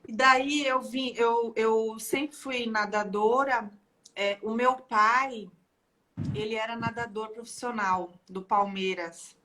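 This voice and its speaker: A guest and marathon swimmer from São Paulo, Brazil, a woman tells her story earnestly and casually in a Paulista Brazilian Portuguese accent. Her voice is a little high and sharp, with fairly even intonation and a slow pace, and she repeats words when starting.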